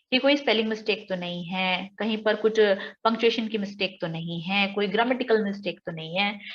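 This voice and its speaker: A woman's voice: a little high, dull audio. An Indian woman teaching an exam-prep lesson, explaining step by step with everyday examples and rhetorical questions. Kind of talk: exam-prep lecture mixing Hindi and English.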